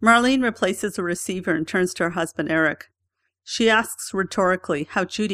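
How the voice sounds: A quiet background behind a natural reading voice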